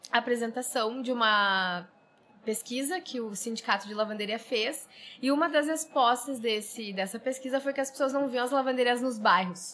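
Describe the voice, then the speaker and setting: A woman's high-pitched voice in a Rio Grande do Sul accent, at a moderate pace. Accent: southern Brazilian Portuguese (gaúcho). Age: 20s. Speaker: startup founder and CEO. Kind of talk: panel discussion. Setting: recorded at a trade fair.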